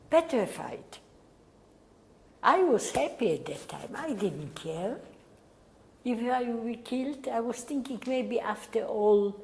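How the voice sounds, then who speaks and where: An elderly woman from Poland, giving Holocaust survivor testimony in a halting, unhurried way that sometimes sinks to a near whisper. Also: on the high side, warm tone. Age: older. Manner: slow, halting, drops to a near whisper at times. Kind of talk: recorded oral history interview.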